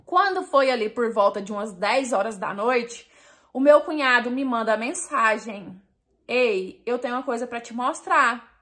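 A young woman with a high voice tells a personal story straight to her listeners. She sounds emotional and confiding, as if sharing something painful with friends. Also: normal speed, a bit bright.

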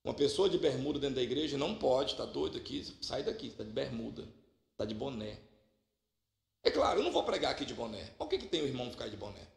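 A man preaching a lively, humorous sermon with a Minas Gerais accent, jumping from loud exclamations to quiet asides. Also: medium pitch, quick pace, gravelly. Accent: Minas Gerais Portuguese. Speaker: pastor. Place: church hall. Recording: echoey church hall.

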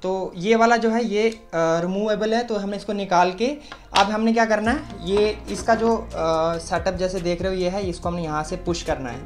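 A man's voice: high-pitched, fairly even intonation, moderate pace, over music. A young man, chatting step by step as he demonstrates gear at a desk. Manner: chatty, explains step by step, mixes English words. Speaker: moto vlogger. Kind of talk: casual tutorial demonstration. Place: small room at a desk.

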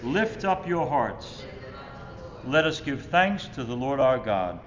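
A man in his sixties, a Catholic priest reciting Mass prayers solemnly in measured phrases, recorded at the altar of a church. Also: sing-song. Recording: echoey church reverb, muffled, rumbling noise.

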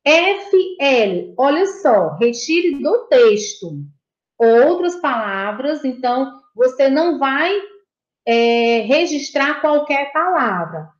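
A woman's voice: high voice, sing-song, takes it slowly. A Brazilian Portuguese woman teaching a recorded lesson to young children, patient and encouraging, repeating each point and praising answers. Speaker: primary school teacher. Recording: dull, echoey room.

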